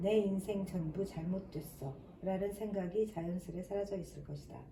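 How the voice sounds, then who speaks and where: A woman speaks at a medium pitch and a fairly slow pace. Noticeable background noise runs under her voice. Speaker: audiobook reader (grandmother reading books aloud). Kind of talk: sleep-inducing book reading. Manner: soft, calm, slow.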